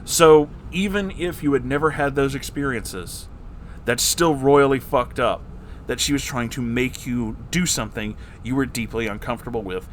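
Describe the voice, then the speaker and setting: A mid-range male voice, with slight background noise, hosts a reading of listener-submitted stories. His reactions are casual and candid, and he delivers them with emphasis, bluntness, and profane asides.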